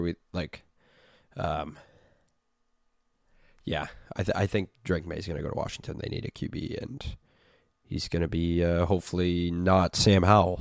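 Very deep-voiced, stuffed-up man. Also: creaky, darkish tone, no room sound, clean studio sound. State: stuffy, getting over a sickness. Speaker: podcast host. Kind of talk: casual sports chat.

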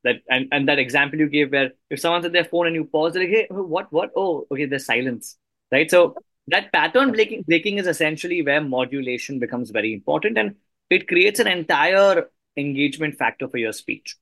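A male host and trainer talks through ideas in an interview. His voice is slightly high, and he often doubles back on words as he explains. The sound is very dry and close. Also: lively intonation, pushed and bright, no echo, low-quality recording. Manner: halting, repeats words as he explains. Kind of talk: conversational interview discussion.

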